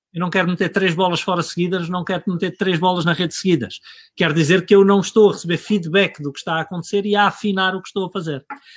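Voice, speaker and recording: A man with a high pitch speaks very fast with a European Portuguese accent and fairly even intonation. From Portugal. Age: 50s. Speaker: business consultant. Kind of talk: casual interview. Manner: hesitant, many fillers and repetitions.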